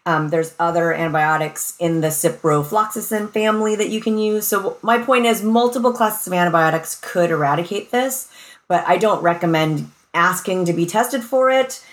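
Lower-voiced American woman, a doctor explaining. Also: moderate pace. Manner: informal, plain-spoken explaining. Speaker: medical expert guest, doctor. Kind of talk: conversational expert explanation.

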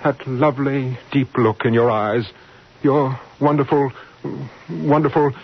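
A man's voice: medium pitch, steady tone, a little slow, husky. An actor playing a flustered, besotted married man in an old radio drama, stammering and hesitant. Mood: earnest, smitten. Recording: muffled vintage radio recording.

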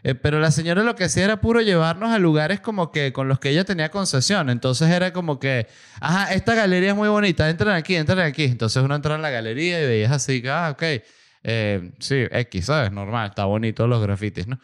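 A man hosting a podcast, telling a travel story in a casual, animated way and acting out the people he quotes. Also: a little fast, clean tone. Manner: animated, acts out quoted voices with big pitch jumps. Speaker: podcast host. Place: small home studio room.

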